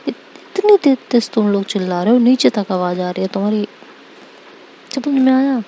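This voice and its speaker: A woman's voice: mid-range voice, moderate pace, warm tone, slight background noise, close to an everyday voice. Woman doing a bossy, teasing young friend. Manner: teasing, scolding.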